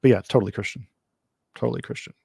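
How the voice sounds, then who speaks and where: A man's voice: medium pitch, very fast, gravelly, mellow, husky, no room sound, studio quality. A man hosting a casual livestream Q&A, answering viewer questions in a rambling way with many ums, restarts and wry asides.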